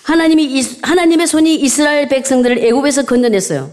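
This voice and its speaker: A woman's voice: high-pitched, quick pace, a little mellow. An older woman preaching a sermon to a congregation, exhorting listeners and repeating key phrases for emphasis. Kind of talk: sermon to a congregation, with scripture reading and amen prompts.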